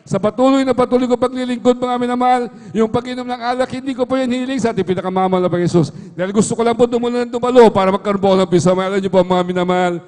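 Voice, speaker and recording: A man's voice: very high voice, fairly even intonation, racing, darkish tone. A man giving an earnest testimony at a worship service, repeating a fond address to the listeners after nearly every phrase. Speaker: church member giving testimony. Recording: long hall reverb.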